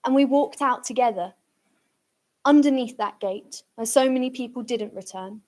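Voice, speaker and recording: A woman's voice: fairly high pitch, normal speed, a little mellow. A woman speaking earnestly at a commemorative event, reflective and using emphatic repetition. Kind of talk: reflective public talk.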